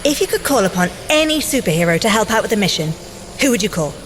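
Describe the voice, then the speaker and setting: An actress playing a brainy, dry, teasing young scientist agent in audio drama banter, speaking precisely. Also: female voice, mid-range voice, very animated, fast talker, slight background noise, lightly acted. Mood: wry, teasing. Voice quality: precise, wry delivery.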